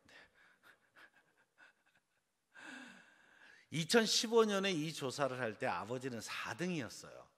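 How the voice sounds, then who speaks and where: A man's voice: medium pitch, big pitch swings, takes it slowly, long pauses, fairly bright tone. A man from Seoul preaching an early-morning sermon as pastor, quizzing the congregation. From Seoul, South Korea. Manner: engages the congregation with quiz questions. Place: church sanctuary. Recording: long reverb of a church sanctuary.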